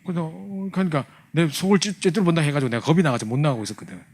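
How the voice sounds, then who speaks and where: A man's voice: fairly high pitch, very fast, darkish tone, husky. A man telling a humorous testimony to a church class, acting out his younger self. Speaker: church youth leader teaching a training class.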